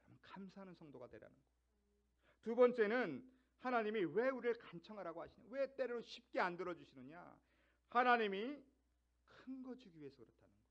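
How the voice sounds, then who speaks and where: A man's voice: high-pitched, big pitch swings, fairly quick. A middle-aged male pastor delivering a Sunday sermon in a slightly raised voice. He drives his points home with chains of rhetorical questions that swell to emphatic peaks. The recording is dull and muffled.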